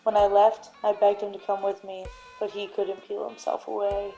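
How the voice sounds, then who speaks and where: A brooding, self-important private eye played by a woman narrates a noir radio drama in deadpan style. The voice is soft-edged and stays on a narrow, level line, with light music behind it. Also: medium pitch, moderate pace, vocal fry, close to an everyday voice. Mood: brooding, self-assured. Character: hard-boiled, self-important private detective, former cop.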